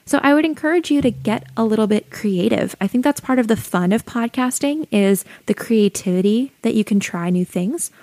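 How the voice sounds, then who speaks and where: A woman's voice: fairly high pitch, moderate pace, few pauses, dry recording. Soothing woman podcast teacher, dry close mic. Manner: calm, friendly advice-giving. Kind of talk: solo educational podcast talk.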